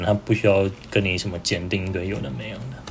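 There is noticeable background noise. The pitch varies in an ordinary way. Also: man. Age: 20s. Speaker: concept designer. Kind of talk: casual interview.

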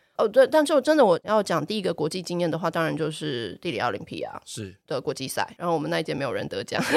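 At a very fast pace, a woman speaks with hardly any pauses. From Taiwan, Taichung. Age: 30s. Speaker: lawyer. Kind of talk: casual chat.

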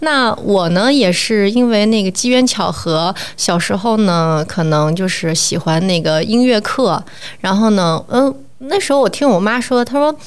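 At a fairly slow pace, a woman with a medium pitch and a plain, everyday voice speaks with lively intonation and very even loudness. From China, Anhui, Hefei. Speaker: opera performer. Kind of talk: interview.

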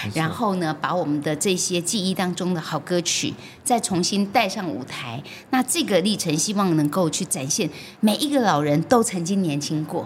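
There is noticeable background noise as a woman speaks at a fairly low pitch and a moderate pace. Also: lively intonation. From Taiwan, Keelung. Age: 60s. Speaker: choir executive director and veteran broadcaster. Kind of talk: casual chat.

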